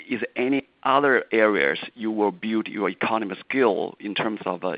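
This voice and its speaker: A male analyst puts a question on a corporate call, rephrasing as he goes. His voice is fairly low, and the line is slightly dull and very dry. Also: vocal fry, dry recording. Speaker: financial analyst asking a question.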